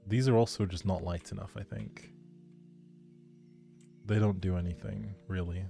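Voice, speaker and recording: Low, mellow-voiced man streaming casually. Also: steady tone, moderate pace, creaky, faint music behind. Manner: musing aloud, chatty, addressing viewers. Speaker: game streamer. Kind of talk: casual livestream chat while playing a life-simulation game.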